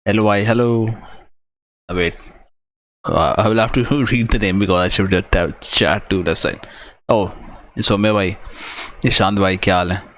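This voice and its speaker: A man with a very low-pitched voice and a South Asian accent hosts a live football stream. He calls the play in short, clipped fragments, mixing commentary with casual watch-along remarks. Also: moderate pace, pauses often, slight background noise.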